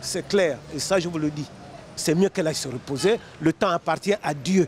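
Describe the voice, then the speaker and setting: A man at a fairly high pitch with ordinary pitch variation, moving at a moderate pace over noticeable background noise. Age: 60s. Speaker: street interviewee. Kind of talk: vox pop interview.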